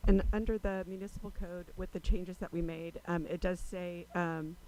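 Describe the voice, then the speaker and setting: An American man explaining rules in a measured official way at a public meeting, as staff advising a council. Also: high-pitched, little pitch movement, a little mellow, low-quality recording. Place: city council chamber.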